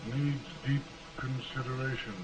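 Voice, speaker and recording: An actor playing a slow-spoken, homespun middle-aged lawyer-statesman with dry humor, heard through early talkie film sound. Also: mid-range voice, fairly even intonation. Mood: courteous. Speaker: frontier lawyer and politician. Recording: hissy early sound film, distant mic.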